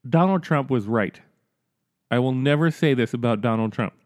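A man's voice: mid-range voice, moderate pace, darkish tone, dry recording. A man co-hosting a casual political comedy podcast, blunt and profane, laughing at his own jokes. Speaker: podcast co-host.

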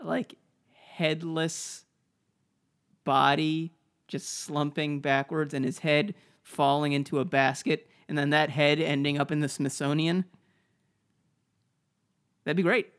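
A man's voice: fairly high pitch, fairly even intonation, takes it slowly, long pauses, a bit bright, clear, resonant tone. A man with a nasal voice co-hosting a podcast, rambling and repeating himself in casual comedic chat. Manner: rambling, stammers and repeats words. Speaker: podcast co-host.

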